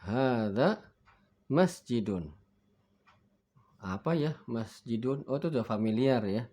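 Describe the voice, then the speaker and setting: A man's voice: mid-range voice, normal speed, dark tone. A man teaching a beginner Arabic lesson, reading each word twice for students to repeat and acting out forgetting and looking up words. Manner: patient, acts out forgetting and finding words.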